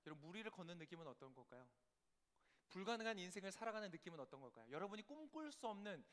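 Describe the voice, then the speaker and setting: A male pastor with a high-pitched voice preaches to a congregation. He keeps asking rhetorical questions and swings from hushed to forceful. His voice rings out with a long hall reverb. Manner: rhetorical questions, sudden swings between soft and loud. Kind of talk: sermon.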